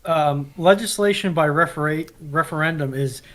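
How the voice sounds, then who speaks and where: A man on a live stream chat, making his points in a measured, plain-spoken way. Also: a little high, a bit bright.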